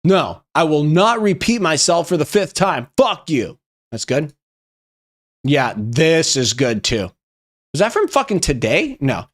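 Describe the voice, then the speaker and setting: A man's voice: a little high, big pitch swings, unhurried. A young man with a slightly raised voice reads out memes on a live stream and reacts to each one. He swears freely and laughs as he goes. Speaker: streamer reviewing viewer memes. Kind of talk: casual live-stream commentary.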